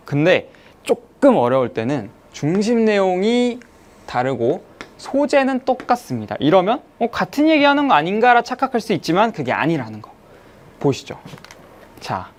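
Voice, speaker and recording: An English teacher giving an online exam-review lecture, explaining step by step, asking questions and then answering them. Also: medium pitch. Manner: reads English sentences slowly, then glosses them; mixes polite and casual speech to students.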